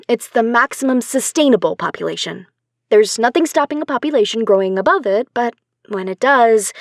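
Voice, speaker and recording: Female academic expert, played by an actress, audio drama. Composed, patient, articulate, medium pitch, dry recording. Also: no room sound, close to an everyday voice. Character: composed female professor, expert guest on sci-fi radio news. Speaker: academic expert being interviewed. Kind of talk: scripted radio interview in an audio drama.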